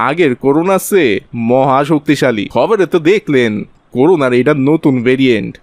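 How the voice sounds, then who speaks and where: A man's voice: on the high side, dry recording. A man voicing a scheming, wheedling village conman in a cartoon, with a rural Bangladeshi accent. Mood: alarmist. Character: scheming male village conman spreading virus rumours for profit. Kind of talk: cartoon character acting.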